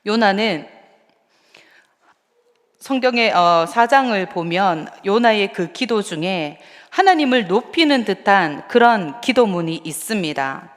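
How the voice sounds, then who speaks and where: A woman evangelist preaches in a conversational, lively manner and often puts questions to the congregation. Her voice sits in a natural middle pitch, and a long reverb trails it through the church sanctuary. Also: a little slow. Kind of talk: sermon.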